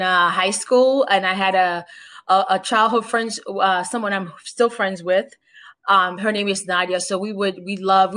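A woman's voice: mid-range voice, a bit bright. A woman from Haiti who grew up in Boston, a former broadcaster, speaking reflectively in an interview with many restarts. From Haiti, raised in Boston. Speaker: interview guest, former broadcaster and makeup artist. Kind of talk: conversational interview.

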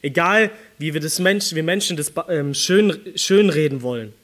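Earnest young preacher, fairly high voice. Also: male voice, lively intonation, moderate pace, fairly bright tone. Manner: earnest, rising emphatically when reading scripture. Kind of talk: sermon.

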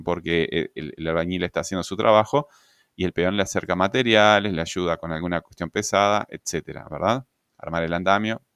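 A man teaches grammar in a recorded lesson, halting often, filling pauses and checking in with tag questions. His voice is lowish, clean and fairly bright, recorded in a clean studio with no echo.

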